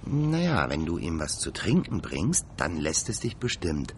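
Brief: gentle, good-natured Santa substitute, lowish, expressive. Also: male voice, measured pace, a little hiss or hum. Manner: gentle, chatty, talks to his reindeer. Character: kindly young man standing in for Santa.

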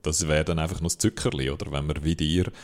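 A man's voice: extremely low pitch, fast. A man with a Swiss German accent, co-hosting a casual game podcast and arguing his picks with lots of fillers. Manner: animated, opinionated, many fillers. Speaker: podcast co-host.

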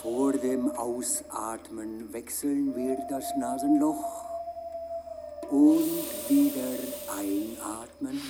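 A calm male yoga teacher in a radio play, speaking very slowly and soothingly as he guides breaths. Loud music plays underneath. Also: medium pitch. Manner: slow, soothing guiding of breathing. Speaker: yoga instructor.

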